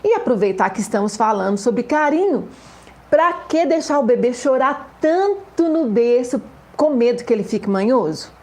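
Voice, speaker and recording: A woman, a children's author and educator giving an explanatory talk to camera. She asks the viewer rhetorical questions and slows down to stress the words in a list. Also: on the high side, expressive, darkish tone.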